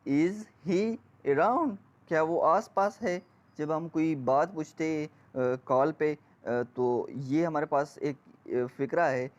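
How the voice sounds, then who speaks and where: A man with a South Asian accent teaching English phrases one by one, drawing out each example sentence with careful enunciation. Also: fairly high pitch. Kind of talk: bilingual phrase-by-phrase language lesson. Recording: dull, lo-fi microphone sound.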